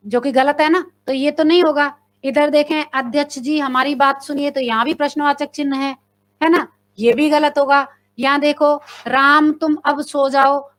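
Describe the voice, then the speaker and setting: A woman's voice: high-pitched, fairly bright tone. A woman teacher leading a live exam-prep class, reading out questions and options, quizzing her viewers and confirming their answers. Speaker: Hindi teacher.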